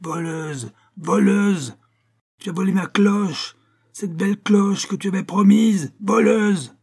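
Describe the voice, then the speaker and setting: Male narrator voices a raging old hermit, raspy and stammering, screeching high, husky edge. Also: takes it slowly, a little mellow, exaggerated voice. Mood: raving. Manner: shrieking, ranting. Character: wild old male hermit, furious and unhinged. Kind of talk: audiobook character voice.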